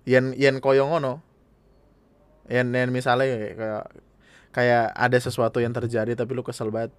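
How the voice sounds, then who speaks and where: A man with hosting a casual podcast, reading a listener's email aloud and chatting in an animated, laughing way with plenty of swearing. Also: medium pitch, normal speed, smooth, dry recording. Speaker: podcast host.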